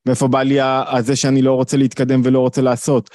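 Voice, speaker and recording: A man's voice: mid-range voice, completely flat delivery, mellow, no echo, studio quality. A man hosting and teaching a study series over a video call, explaining his ideas through rhetorical questions and lists of examples.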